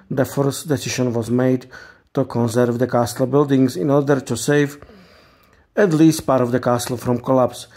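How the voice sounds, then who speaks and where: A man with a dark, relaxed voice and a husky edge reads a scripted guided-tour narration. His delivery is calm and measured, like a museum guide explaining history, at a middling pitch.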